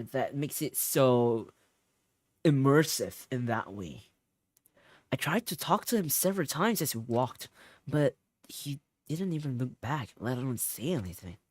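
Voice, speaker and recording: A man's voice: medium pitch, dry recording. A man streaming a story game, reading its text aloud and chatting with viewers with frequent giggles. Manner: giggly, chatty, reacting to chat.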